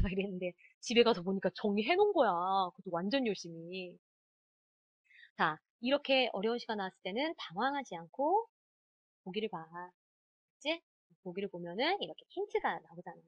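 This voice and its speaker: A woman's voice: mid-range voice, no echo, highs cut off. A woman teacher giving an online exam-prep lecture, quizzing and talking straight to her students. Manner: animated, talks straight to students, quick quizzing asides.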